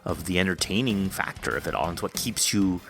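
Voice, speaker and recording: Low-voiced man, bright and forceful. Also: brisk. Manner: effusive, encouraging. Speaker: podcast host. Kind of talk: conversational author interview.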